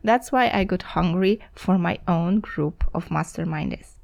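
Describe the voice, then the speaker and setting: A woman's voice: on the low side, unhurried, gravelly, a little mellow. A woman hosting a podcast, chatty and enthusiastic, laughing easily. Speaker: podcast host. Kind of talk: casual podcast interview.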